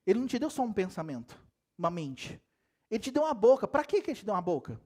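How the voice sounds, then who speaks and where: A man's voice: high voice, very animated, quick pace, warm tone. A man preaching a sermon in a church, asking the congregation many questions and joking and laughing as he goes. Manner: talks straight to the congregation with many rhetorical questions; laughs and jokes while preaching. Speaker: pastor. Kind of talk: lively sermon.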